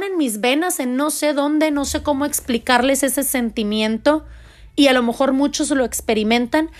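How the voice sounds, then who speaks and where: A Mexican woman in her forties, a mother telling family stories to her viewers in a loud, expressive, casual way. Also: a little high.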